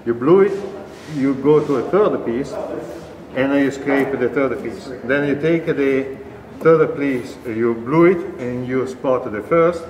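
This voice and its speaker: A man with an Italian accent, teaching a scraping technique, hesitant with many fillers, in a busy shop at an engine show. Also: medium pitch. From Italy. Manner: halting explanation with many uh fillers. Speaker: scraping instructor. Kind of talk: hands-on shop demonstration. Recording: roomy echoey hall, mic far off, crowd chatter.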